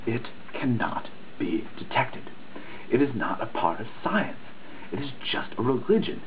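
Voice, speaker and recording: A man's voice: mid-range voice, sing-song, a little slow. A man giving a dramatic reading of a written text, earnest and emphatic in a preachy way, now and then stumbling over a word. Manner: earnest, emphatic, preachy delivery with occasional misreadings. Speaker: reader of a dissertation. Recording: tinny phone-like sound with faint noise.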